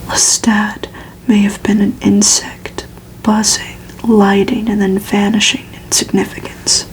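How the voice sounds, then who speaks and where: A woman reading gothic fiction aloud in a soft, steady, unhurried ASMR whisper. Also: medium pitch, poor audio.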